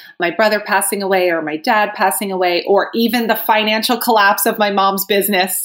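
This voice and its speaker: On a very clean recording with a silent background, a woman in an unremarkable speaking voice talks at a moderate pace and medium pitch with ordinary pitch variation. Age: 30s. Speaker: supplement company founder. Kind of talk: interview.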